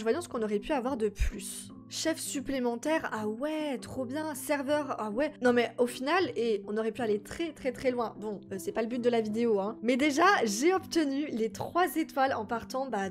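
High-pitched excitable young woman gamer. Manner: chatty, excitable, talks straight to viewers. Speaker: gaming YouTuber. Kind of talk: casual let's-play commentary.

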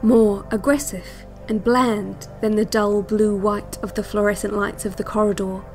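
A woman acting as a calm, controlling relaxation-tape guide in an audio drama. She gives hypnotic, measured instructions with clinical precision, over faint music. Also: mid-range voice, close to an everyday voice. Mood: calm, controlled. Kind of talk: guided visualization cassette narration.

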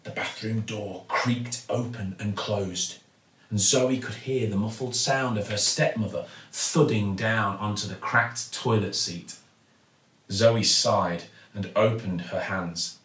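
A man's voice: fairly low pitch, steady tone, fairly bright tone. British guy in his 40s doing bedtime story narration, theatrical, bit far from the mic in a room. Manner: theatrical, with dramatic pauses and emphasis. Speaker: actor reading a bedtime story. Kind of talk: expressive children's storybook narration. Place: living room at home, indoors. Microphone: camera or phone a few feet away. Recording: roomy, mic at some distance.

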